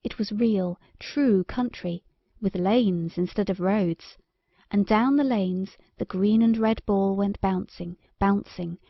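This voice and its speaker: A woman's voice: mid-range voice, slow pace, no echo. Woman narrating a kids storybook, dry close sound, bit dull recording. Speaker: audiobook narrator. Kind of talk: scripted storybook narration for children.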